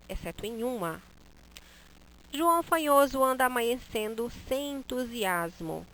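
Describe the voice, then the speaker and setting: Brazilian woman teacher, video lesson, expressive, mid-pitched, faint noise behind. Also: low-quality recording. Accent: Brazilian Portuguese. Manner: expressive, acts out interjections.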